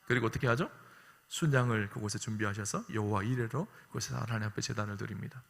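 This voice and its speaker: A male pastor preaching to his congregation, often asking them short questions and swinging from soft to loud. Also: fairly low pitch, fast, vocal fry. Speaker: senior pastor. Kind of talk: sermon. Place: church sanctuary. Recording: long hall reverb.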